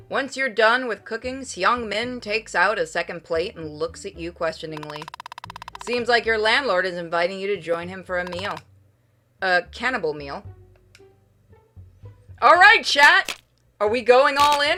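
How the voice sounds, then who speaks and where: Female game streamer, bright forward voice, playful, informal delivery, music underneath. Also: medium pitch. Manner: playful, informal, swears freely. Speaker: game streamer reading a visual novel aloud for chat. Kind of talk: casual livestream chat and read-aloud game narration.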